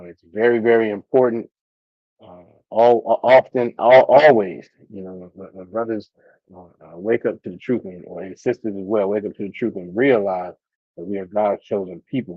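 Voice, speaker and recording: A man's voice: lowish voice, dry recording, lo-fi sound. A man teaching an online class, talking loosely with many fillers and restarts.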